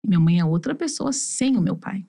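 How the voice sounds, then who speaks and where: A woman's voice: fairly low pitch, expressive, vocal fry, warm tone. A woman from Brazil, a podcast guest telling her personal story candidly and acting out what her family said. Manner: fast, candid, acts out quoted family voices. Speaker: interview guest.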